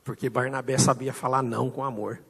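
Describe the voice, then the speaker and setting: Man, Brazilian Portuguese accent, pastor, sermon, long hall reverb, husky tone. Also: medium pitch, level tone, fairly quick. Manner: storytelling, acts out dialogue with shifting loudness. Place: church hall.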